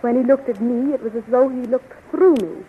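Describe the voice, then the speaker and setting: Actress as an anxious high-voiced young heroine, old radio. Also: female voice, brisk, phone-quality sound, lightly acted. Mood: earnest, worried. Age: young adult. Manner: earnest, pleading. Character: anxious, loyal young woman held prisoner. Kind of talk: 1930s radio serial acting. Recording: scratchy, thin 1930s radio recording.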